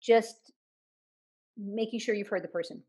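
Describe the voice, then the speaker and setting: A woman's voice: mid-range voice, steady tone, unhurried, dark tone, slightly rough. A woman author, a guest on an interview show, telling anecdotes with laughter and repeating words as she thinks aloud. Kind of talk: storytelling interview talk.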